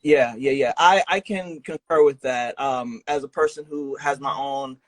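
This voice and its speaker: A man's voice: mid-range voice, unhurried, no room sound. A man hosting a casual remote interview, speaking in a slangy, encouraging and affirming way over an online call. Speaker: podcast host and interviewer. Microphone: remote video call.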